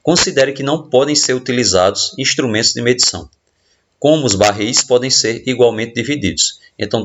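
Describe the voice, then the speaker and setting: Brazilian male teacher, mid pitch, patient explainer, dull lo-fi recording. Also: a bit bright, a little hiss or hum. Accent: Brazilian Portuguese. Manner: patient, explanatory, frequent tag questions. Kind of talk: recorded lesson explaining riddles. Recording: dull lo-fi audio.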